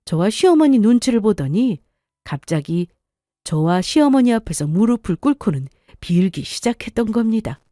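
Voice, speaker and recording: A woman narrates a first-person story in a calm, matter-of-fact way. The narration is scripted and recorded dry and close, with no room sound. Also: medium pitch, no room sound.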